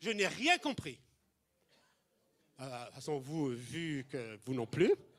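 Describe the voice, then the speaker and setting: A raised, projected voice with a bright, sharp tone comes at a fairly slow pace. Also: man. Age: 60s. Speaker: preacher. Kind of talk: sermon. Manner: animated.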